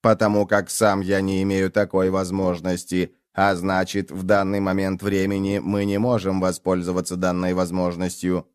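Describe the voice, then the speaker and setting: A man voicing a calm, formal male machine companion in an audiobook, speaking slowly and officially. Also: low-pitched, clear, resonant tone, no room sound, studio quality, natural voice. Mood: detached. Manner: slow, formal, flat.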